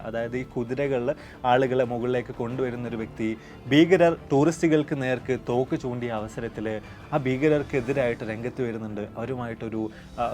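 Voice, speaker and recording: A man hosting a video explainer, narrating in an earnest, measured way on a lapel mic, with his sentences sinking softer at the end. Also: medium pitch. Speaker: YouTube explainer host. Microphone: wireless lapel mic.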